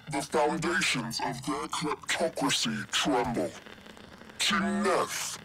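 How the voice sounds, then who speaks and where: A grave resistance leader addressing the oppressed. He is commanding and very slow, weighing each phrase in a rallying game speech with clear noise on the recording. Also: mid-range voice, bright, forceful tone, exaggerated voice. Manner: deliberate, solemn, commanding. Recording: clearly noisy broadcast.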